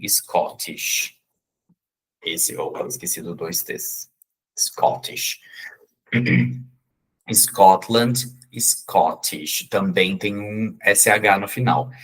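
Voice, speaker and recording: A Brazilian man giving a relaxed English lesson, often checking in with his listeners and slowly drawing out English words. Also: fairly low pitch, slightly rough. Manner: chatty, with frequent "tá?" and "né?" check-ins, slowly spelling out English words. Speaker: English teacher. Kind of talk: casual explanatory lesson.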